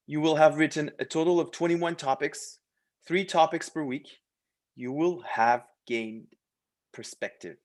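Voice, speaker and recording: A man working as a language coach, presenting a course in a promotional, partly read-out style with short, emphatic phrases. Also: on the high side.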